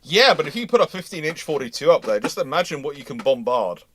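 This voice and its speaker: A man's voice: a little high, sing-song, fast, a bit bright. A man hosting a live history discussion, speaking off the cuff, reading out questions and reworking his phrases as he goes. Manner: rambling, repeats and reworks phrases. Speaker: host of a live naval history Q&A.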